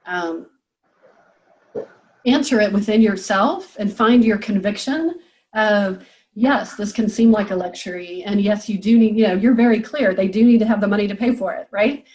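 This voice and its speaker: A woman's voice: mid-range voice, normal speed, a little mellow, poor audio. A woman business coach leading a group coaching call, encouraging and thinking aloud with frequent fillers.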